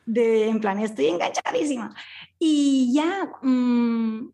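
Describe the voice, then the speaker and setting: High-voiced, chatty woman from Spain. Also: slow, warm tone. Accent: Spanish from Spain. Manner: chatty, informal, with colloquial asides. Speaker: guest, audio fiction scriptwriter. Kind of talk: casual conversational storytelling.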